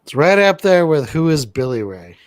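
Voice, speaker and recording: A man co-hosting a casual movie-review chat, rambling and deadpan, with casual swearing. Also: fairly high pitch, normal speed, no echo. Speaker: podcast co-host.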